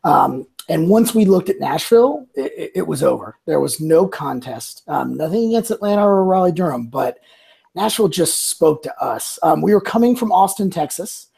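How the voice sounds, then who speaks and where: Male guest, gravelly and husky, relaxed, easy storytelling. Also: on the high side, moderate pace. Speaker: guest, lead organizer. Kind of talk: casual panel chat.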